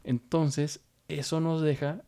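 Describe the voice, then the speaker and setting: A man's voice: on the high side, flat delivery, slow, dark tone, clear, resonant tone. A man teaching programming, walking through code step by step and thinking aloud as he goes. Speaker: programming instructor. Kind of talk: screen-recorded coding tutorial.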